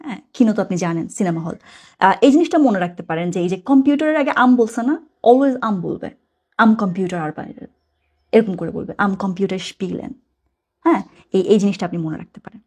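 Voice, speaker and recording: Breathy-voiced woman teaching German. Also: mid-range voice, lively intonation, fairly quick, darkish tone. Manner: chatty, explains words step by step and corrects herself. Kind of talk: explaining a textbook lesson.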